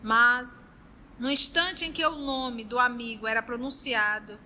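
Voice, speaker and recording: Bright, chatty woman leading a study group. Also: fairly high pitch, a little slow, slight background noise. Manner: warm, chatty and lively between passages. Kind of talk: reading a novel aloud in a study group.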